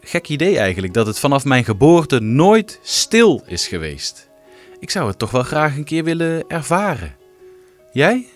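A man presenting a documentary, calmly musing in scripted narration. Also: fairly high pitch, unhurried, faint music behind.

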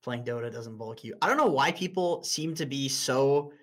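A man's voice: mid-range voice, animated, moderate pace. A young man streaming and chatting casually, blunt and laughing often, with frequent restarts.

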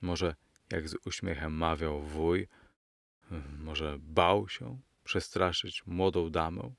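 A man narrating a story aloud in a scripted storytelling style, addressing his listeners as gentlemen. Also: low voice, slow pace, gravelly, dry recording. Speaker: audiobook narrator.

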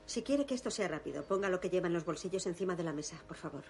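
An actress dubbing a firm, formal store security guard who keeps insisting politely on identification. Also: female voice, fairly low pitch, animated, racing, a little mellow, a little hiss or hum. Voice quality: insistently polite, repeating "señor". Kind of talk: dubbed film drama.

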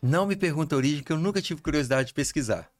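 A man from Brazil, a screenwriter guest in an interview, speaking calmly and reflectively, trailing off quietly. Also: on the high side, very fast, no echo. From Brazil, Belo Horizonte. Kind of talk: interview conversation.

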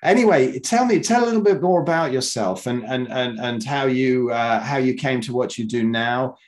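A male podcast host chatting loosely with his guest. He often stumbles into repeated words and restarts, and his voice lifts when he gets excited. His pitch sits in an ordinary middle range. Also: moderate pace. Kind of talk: casual interview chat.

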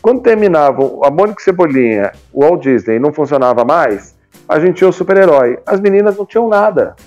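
A comics publisher in his fifties with a Brazilian accent talks casually and at length as a guest in a conversational interview, often using tag questions to seek agreement. His voice is a little high and slightly mellow, fast, with big pitch swings. The lo-fi recording has soft background music.

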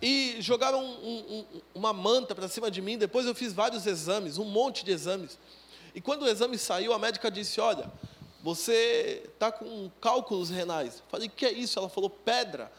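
A man's voice: high voice, fairly quick, a bit bright, slight background noise. A man preaching at a church service, telling a personal testimony in a conversational storytelling way and acting out the dialogue. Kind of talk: sermon testimony.

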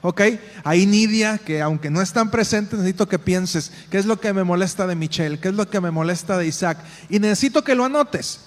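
A man's voice: sits high, brisk, hardly any pauses. A man with a Mexican accent leading parents through a live group exercise, giving instructions and calling people by name. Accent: Mexican Spanish. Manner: directive, calls people by name, repeats instructions. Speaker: workshop facilitator for parents. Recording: reverberant hall sound.

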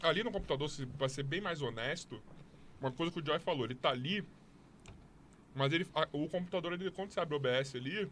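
A man's voice: on the high side, expressive, quick pace, fairly bright tone, a little hiss or hum. A man with a Brazilian Portuguese accent hosting a casual live podcast, blunt and teasing, swearing freely. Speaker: podcast host.

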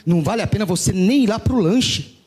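A man's voice: high voice, expressive, fairly quick, darkish tone, breathy edge. A man preaching a sermon, emphatic, stretching out stressed words.

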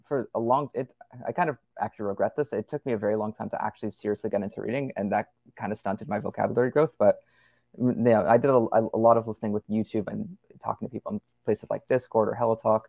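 A man's voice: fairly low pitch, fast, creaky, no room sound, phone-quality sound. A young man as a podcast guest, chatting casually and rambling with lots of fillers and restarts. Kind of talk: casual conversational interview.

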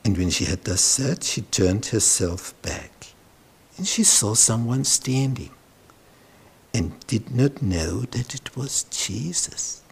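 A man's voice: medium pitch, very animated, gravelly, slightly rough. A male pastor preaching a sermon, telling the Bible story dramatically and sometimes dropping to a whisper. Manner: slow, dramatic, drops to whispers when retelling scripture.

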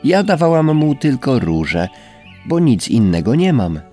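A man voicing a gentle, humble female rose in a storybook reading, speaking softly and tenderly, in a voice raised well above his own. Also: mid-range voice, big pitch swings, a little slow, pitched above the performer's own voice. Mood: earnest. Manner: soft, wondering, tender. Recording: faint background music.

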